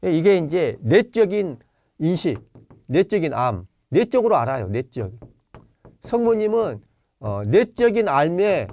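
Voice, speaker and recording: A man from Jeolla, a Jesuit priest giving an online spiritual lecture over a video call, explaining gently with many pauses and fillers and acting out quoted lines. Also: a little high, sing-song. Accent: Jeolla Korean. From Jeolla, Korea.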